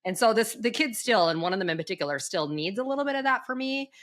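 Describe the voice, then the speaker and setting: A woman's voice: medium pitch, lively intonation, quick pace, fairly bright tone. A middle-aged woman as a podcast guest in casual chat, talking in a chatty way with many fillers.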